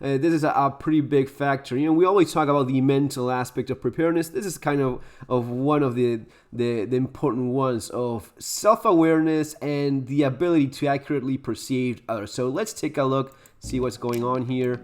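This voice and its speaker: A man's voice: medium pitch, fairly quick, few pauses, darkish tone. A man hosting a reaction video, talking casually and opinionatedly with many restarts. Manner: hesitant, restarts often, opinionated asides. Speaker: YouTube host reacting to a video.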